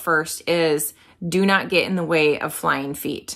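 A woman's bright, sharp tone at a fairly low pitch, with ordinary pitch variation, a fairly slow pace and a quiet background. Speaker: horse trainer. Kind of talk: casual tutorial vlog. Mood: calm, friendly. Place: home room. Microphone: phone near.

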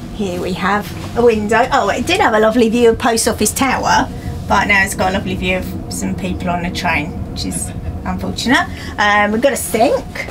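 Noticeable background noise sits under a woman who talks at a moderate pace. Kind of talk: casual vlog chat. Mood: playful, amused. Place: train. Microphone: phone near.

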